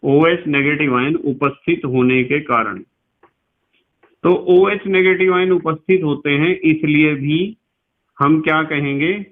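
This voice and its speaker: A middle-aged man with a western Uttar Pradesh Hindi accent, teaching chemistry as a lecture, explaining slowly, repeating key phrases and quizzing his students. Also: fairly high pitch. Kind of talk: classroom lecture. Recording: tinny phone-like sound.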